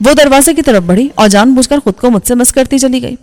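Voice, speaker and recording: A woman storyteller narrating a novel in a steady, even reading voice. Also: sits high. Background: faint background music.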